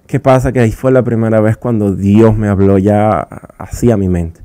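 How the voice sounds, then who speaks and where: A man's voice: on the low side, fairly even intonation, normal speed, dark tone, no room sound. A young adult man giving a personal faith testimony on Christian radio, earnest and emotional, often restarting his words. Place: radio studio.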